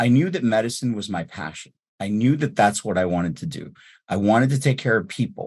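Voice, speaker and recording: A man talks at a fairly quick pace with lively intonation. His medium-pitched voice is an unremarkable speaking voice. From North India, moved to US. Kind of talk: interview, explanatory.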